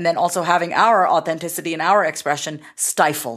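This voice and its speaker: Fairly quick, fairly even-toned speech with a New York accent on a very clean recording with a silent background. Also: woman. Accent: New York American. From New York, US. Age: 30s. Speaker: self-expression coach. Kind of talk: casual interview.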